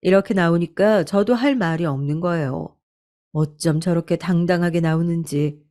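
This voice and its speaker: A woman's voice: lowish voice, normal speed, warm tone. A woman narrating a true-story radio drama in the first person, earnest and confiding.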